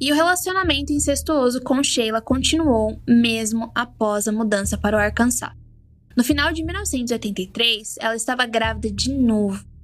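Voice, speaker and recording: Music plays behind a woman who speaks at a moderate pace with ordinary pitch variation. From Brazil, Santos (São Paulo coast). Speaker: true crime podcast narrator, physicist. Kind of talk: scripted narration. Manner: casual asides to listener.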